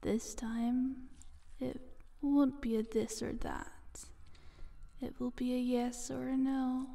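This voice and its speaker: Woman playing a slow, half-whispering sly eldritch monster. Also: fairly high pitch, dark tone, full character voice. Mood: sly, playful. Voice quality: breathy, often whispered. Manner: slow, teasing, condescending. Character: sly, taunting female eldritch monster from a dream world. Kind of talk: ASMR roleplay, soft half-whispered monologue.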